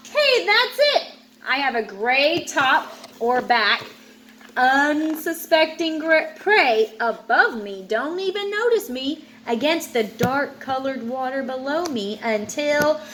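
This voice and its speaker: A woman acts out a great white shark who badly wants to be the greatest. The storybook voice is high and boastful, with big swings in pitch. It takes its time, and some noise sits behind it. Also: sharp tone, exaggerated voice. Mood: excited, proud. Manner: boastful, exclamatory storybook delivery. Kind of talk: children's picture book read-aloud.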